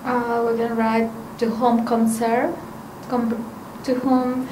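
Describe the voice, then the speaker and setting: A woman English student with a Mexican accent gives short replies. Her voice is high, recorded in a roomy classroom with faint noise. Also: little pitch movement, takes it slowly, darkish tone.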